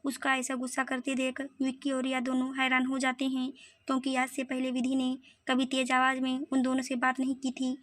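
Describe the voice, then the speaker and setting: A woman narrates an audio story in a steady, even read. Her voice is high with almost no rise and fall. The sound is dry and close. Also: brisk, no echo.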